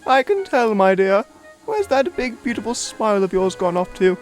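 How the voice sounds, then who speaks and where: Storybook engine: grand older lady, affected and gushing, pitched very high, voiced by a man. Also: very animated, moderate pace, soft background music. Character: fussy grand older female engine, theatrical.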